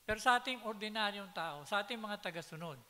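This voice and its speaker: Hiss and long reverb fill the church hall as a man preaches quickly with lively intonation in a high, bright, forceful voice. The pastor's sermon weaves in stories and English phrases and builds to emphatic peaks.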